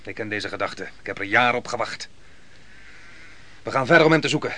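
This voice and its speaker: An actor playing a proud, vengeful army commander in a radio play, with a boastful, commanding manner. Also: male voice, mid-range voice, animated, a little fast, bright, forceful tone. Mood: grim, determined.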